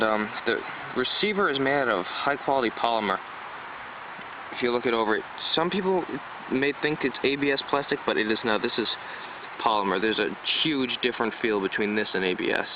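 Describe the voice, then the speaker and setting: A man giving a casual, enthusiastic hands-on product review in an informal, rambling way. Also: lowish voice. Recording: dull lo-fi sound, loud road noise. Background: traffic, passing buses and cars.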